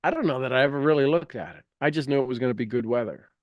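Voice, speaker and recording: A man's voice: medium pitch, racing, dry recording, muffled recording. A man giving an informal, emphatic motivational lesson, reading aloud and breaking off into rambling asides, often repeating phrases for effect. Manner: rambling, self-interrupting. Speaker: motivational teacher reading and commenting on a self-help book. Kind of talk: informal live teaching with read-aloud passages and asides.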